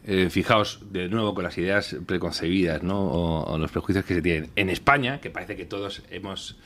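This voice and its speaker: A man's voice: deep voice, normal speed, fairly bright tone. A man on a radio panel who talks in a wry, conversational way. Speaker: panel commentator.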